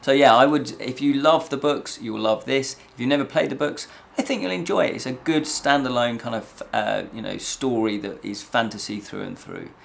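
A man's voice: medium pitch, moderate pace, vocal fry, hardly any pauses. A middle-aged man giving a casual, rambling review to camera, often repeating and rephrasing himself. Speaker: host of a fantasy review show. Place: small indoor set with draped backdrop.

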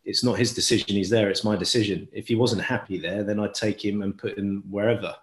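A man in his forties talking reflectively and haltingly as an interview guest, repeating phrases for emphasis. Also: lowish voice, steady tone, a little hiss or hum. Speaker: interview guest, squash coach. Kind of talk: conversational interview. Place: indoor room at home, on a video call. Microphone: video call. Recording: roomy, echoey video call.

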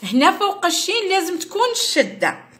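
A woman teacher with an Algerian Arabic accent, patiently explaining an exam to young pupils and repeating each word slowly for them. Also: very high voice, big pitch swings, a bit bright. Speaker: primary school teacher. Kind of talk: lesson explaining a first-grade exam. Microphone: recorded at her device, screen-share style.

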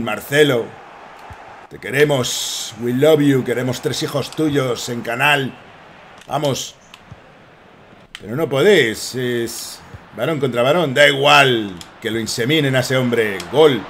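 Man, Spain Spanish accent, live game streamer, jokey, excitable, faint background hiss. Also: mid-range voice. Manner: joking, excitable, swearing banter. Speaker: gaming streamer. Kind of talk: live gameplay commentary.

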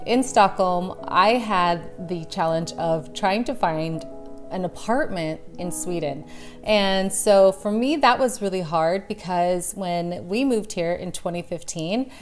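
An American woman in her thirties speaking in an upbeat, chatty way from a bright living room. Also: fairly low pitch. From Illinois, United States. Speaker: interviewee, expat.

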